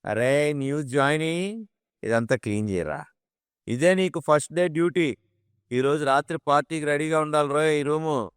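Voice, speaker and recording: An arrogant, drunken young office bully, voiced by a man, drawling his taunts slowly in a raised, mocking tone. He sneers and threatens like he owns the place. The sound is close and dry, as in a studio. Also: a little high, lively intonation, clear, resonant tone, dry recording, voice pushed up, natural voice. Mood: bossy. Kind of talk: audio drama acting.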